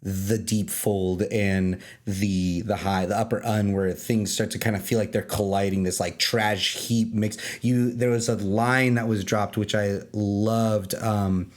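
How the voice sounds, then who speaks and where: Low-voiced enthusiastic male podcast host. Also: fairly even intonation, a little slow, few pauses. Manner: enthusiastic, quotes favorite lines, laughs often. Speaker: podcast host interviewing the creators. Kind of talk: casual roundtable chat.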